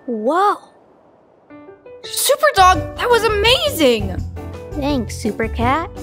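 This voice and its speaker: A woman's voice: extremely high pitch, huge pitch swings, slow, a bit bright, full character voice. A woman voicing a spirited, brave young animal superhero in a cartoon, earnest and emphatic. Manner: emphatic, exclamatory. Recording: music behind the voice.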